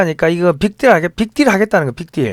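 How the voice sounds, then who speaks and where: The sound is dry and close with no echo as a man talks in an animated tone with ordinary pitch variation. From Busan, South Korea. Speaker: political commentary YouTuber. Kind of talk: political commentary monologue.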